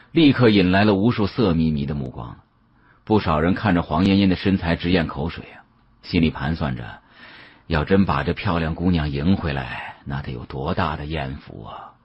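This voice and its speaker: A man narrating an audiobook as a dramatic storyteller, with an expressive, suspenseful delivery and a husky voice. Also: low voice. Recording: dull, muffled audio.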